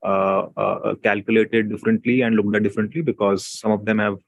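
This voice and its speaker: Low-voiced man, dry close sound. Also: little pitch movement, brisk, vocal fry, dry recording, muffled recording. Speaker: company executive answering investor questions. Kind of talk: unscripted earnings call answers.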